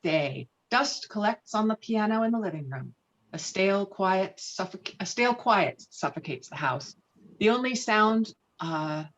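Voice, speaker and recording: Lowish-voiced woman narrating a script, slightly dull sound. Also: slight background noise. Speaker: narrator reading stage directions. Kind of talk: scripted narration at table read.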